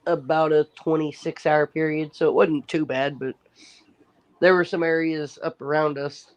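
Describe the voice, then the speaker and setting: A man with a slightly high but flat, even voice chats as a guest on a livestream. He talks in a steady, matter-of-fact way, explaining things plainly without much rise or fall. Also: normal speed, no echo, lo-fi sound. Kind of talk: casual chat.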